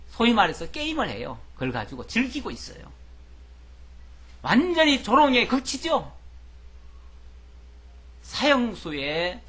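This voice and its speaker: Lively, husky-voiced male pastor preaching. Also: sits high. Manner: animated, conversational preaching with rhetorical questions; tells anecdotes to illustrate points. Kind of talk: expository Bible sermon.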